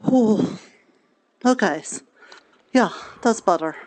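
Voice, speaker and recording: A woman's voice: mid-range voice, expressive, slow pace, a little mellow. A woman talking casually in character during an online game roleplay, a little hesitant in how she puts things. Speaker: streamer and roleplayer.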